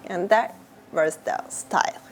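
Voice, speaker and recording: Japanese-accented woman in her 40s, slow deliberate English, faint background hiss. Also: fairly low pitch. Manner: slow, searching for words, laughs often. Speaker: interviewee, Japanese teacher. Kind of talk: casual interview answers.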